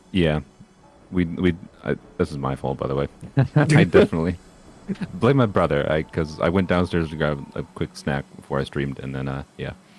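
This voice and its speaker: A man's very deep, low voice at a fairly quick pace, with ordinary pitch variation, long, frequent pauses and noticeable background noise. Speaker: video game streamer. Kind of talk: casual chat. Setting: voice call while live streaming.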